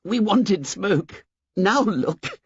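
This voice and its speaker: A man's voice: high-pitched, lively intonation, very slow, breathy edge, no room sound, highs cut off, voice pushed up, heavily acted. A man voicing an anxious, plump boy who pleads and complains in breathless tirades. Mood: hurt, nervous.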